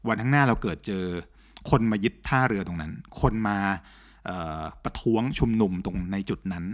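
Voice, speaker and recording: A man in casual podcast chat, blunt and animated, swearing freely as he rants. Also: fairly low pitch, a little fast. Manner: blunt, animated, crude slang. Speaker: podcast co-host.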